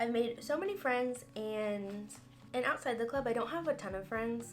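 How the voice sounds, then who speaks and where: Fairly high-pitched woman's voice with lively intonation, audible room echo and music in the background. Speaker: crafter and small business owner. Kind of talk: casual chat. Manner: loud; rambling, chatty.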